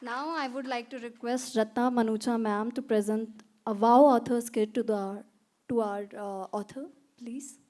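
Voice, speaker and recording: A woman's voice: on the high side, fairly even intonation, moderate pace, dark tone. A woman emceeing a festival session who makes formal announcements. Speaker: event emcee.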